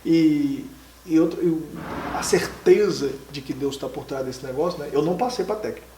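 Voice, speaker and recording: A high-pitched man tells a lively, emotional personal story as an interview guest, full of fillers and restarts. He sits some way from the microphone in an echoey room with a faint hiss. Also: moderate pace. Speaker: interview guest, exam candidate. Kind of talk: casual storytelling. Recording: echoey room, mic from a distance.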